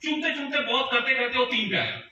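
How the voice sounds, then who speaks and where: A man's voice: extremely high pitch, expressive, quick pace, sharp tone, dull audio. A man giving a storytelling speech to a live audience at a business meeting, animatedly acting out the dialogue in changed voices. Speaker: motivational speaker at a business meeting. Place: large meeting hall with audience. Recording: echoey hall, distant mic, noisy.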